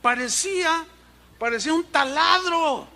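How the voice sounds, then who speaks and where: A middle-aged pastor preaching a sermon, telling stories and imitating sounds and voices for humor. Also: male voice, very high-pitched, a little slow, creaky, pushed and bright, slight background noise. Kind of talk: sermon with storytelling.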